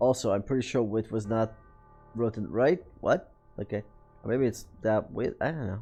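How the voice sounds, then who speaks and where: Music plays in the background as a man with a non-native accent speaks with ordinary pitch variation. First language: not English. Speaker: gaming streamer. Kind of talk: let's play commentary, reading game dialogue aloud. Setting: live stream. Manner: halting, stumbling over words.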